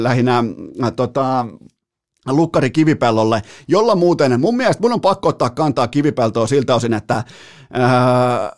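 A man in a mid-range voice hosts a casual sports podcast. He tells match anecdotes in a rambling, animated way, full of fillers and quick laughs. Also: medium pitch.

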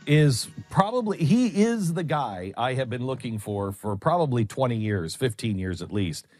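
A man's voice: medium pitch, animated, normal speed, a little mellow, no room sound. A man introducing a guest in an enthusiastic way. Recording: dry studio with faint music.

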